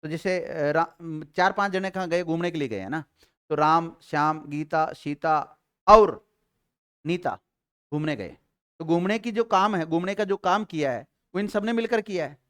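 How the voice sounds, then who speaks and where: A man teaching a grammar class to students, asking questions and answering them himself, and dictating notes slowly with repeated phrases. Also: high-pitched, lively intonation, clean tone. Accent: Rajasthani Hindi.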